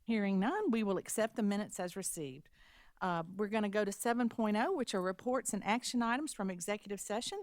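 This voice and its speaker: A woman's voice: medium pitch, a little fast, dry recording, clean studio sound. A woman chairing a school board meeting, running motions and votes in a polite, procedural way with small restarts.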